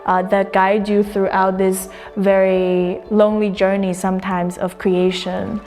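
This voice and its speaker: Flat-toned woman filmmaker in a hall. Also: medium pitch, a little slow, faint music behind. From Shanghai, China. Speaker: artist and filmmaker.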